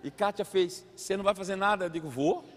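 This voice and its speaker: A man preaching a sermon as a pastor, telling a family story with animated acted-out voices. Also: high voice, quick pace. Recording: long hall reverb.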